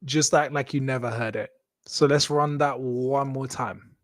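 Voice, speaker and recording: A man's voice: mid-range voice, steady tone, unhurried. Upbeat Kenyan-accented man hosting a live show. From Congo, raised in Kenya. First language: not English. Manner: upbeat, joking, repeats phrases. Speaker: host. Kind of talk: live show sign-off to viewers.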